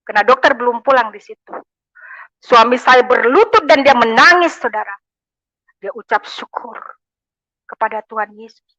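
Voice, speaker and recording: A woman's voice: fairly high pitch, normal speed, long pauses, bright, forceful tone, no echo. A woman from gives a fervent church testimony, addressing listeners as brothers and sisters. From Makassar, Indonesia. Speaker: testimony speaker. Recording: dull, lo-fi, dry.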